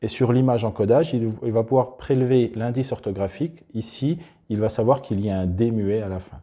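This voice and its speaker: A man demonstrating classroom reading materials, explaining step by step in a relaxed, unscripted way with small restarts. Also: mid-range voice, brisk, slightly rough. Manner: unscripted, restarts, talks while handling materials. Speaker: presenter demonstrating a teaching method.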